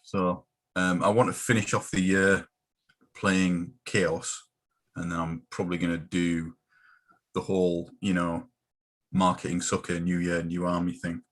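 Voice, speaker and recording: A man's voice: sits low, flat delivery, measured pace. A man co-hosting a casual hobby chat, hesitant with many ums. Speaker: podcast co-host.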